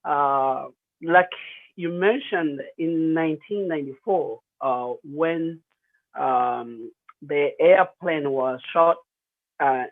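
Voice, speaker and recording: A man in his thirties with a Rwandan accent, giving personal testimony as an interview guest, hesitant and pausing often, over a remote call. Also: on the high side, no room sound. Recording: muffled, radio-like narrow phone-quality line.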